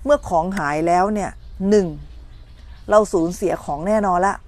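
This middle-aged meditation teacher speaks at a normal pace in a mid-range, darkish voice, with no room sound on the recording. Her morning dharma talk is full of stories; she acts out complaining voices and checks that her listeners are following.

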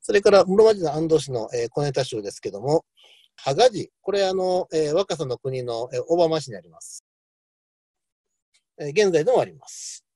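A man giving an online history lecture, talking in a loose, rambling way full of fillers and lively asides. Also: a little high, normal speed, dry recording.

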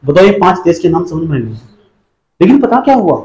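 A man's voice: high voice, sing-song, fairly quick, warm tone, echoey room, low-quality recording. A man teaching an exam-prep lecture, repeating points again and again, quizzing and scolding his students. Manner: repetitive drilling, asks students questions.

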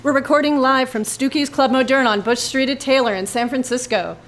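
Female host-narrator for live radio plays, voice a little high, scripted delivery. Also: a little fast, noisy background. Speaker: host and writer. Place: live in a club.

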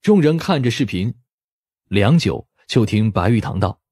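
A man's voice: fairly low pitch, sing-song, a little slow, a little mellow, slightly rough, no echo, clean studio sound. A man reading scripted story narration expressively, as an audiobook narrator.

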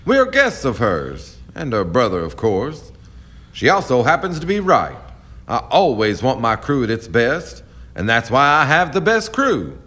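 An actor playing a confident, charming, proud riverboat captain in a radio drama, smooth-talking and self-assured. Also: male voice, medium pitch, wildly swooping pitch, a little slow, a bit bright, exaggerated voice. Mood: genial, courtly. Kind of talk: stage-like radio drama acting.

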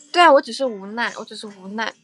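A young woman hosts a casual livestream, chatting with viewers in a playful, teasing way and often repeating her phrases. Her voice is a little high with a fairly bright tone.

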